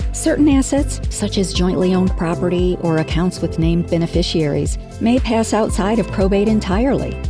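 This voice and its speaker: Over music in the background, a woman talks at a fairly quick pace with very even loudness and hardly any pauses. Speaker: voice actor. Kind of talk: legal explainer narration. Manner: authoritative, clear, serious.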